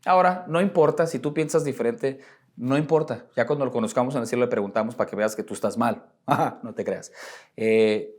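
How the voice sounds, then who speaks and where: A man's voice: mid-range voice, brisk, darkish tone. A man preaching a sermon as pastor, conversational, joking lightly and acting out quoted speech. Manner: conversational preaching with rhetorical asides and light jokes.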